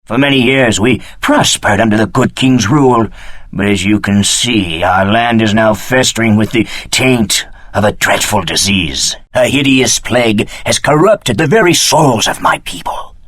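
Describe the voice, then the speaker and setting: A man voicing a solemn, apologetic village holy man in a fantasy video game, telling of his land in formal, measured phrases. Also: on the low side, expressive, a bit bright, dry recording. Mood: grave, mournful. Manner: formal, grave, measured storytelling.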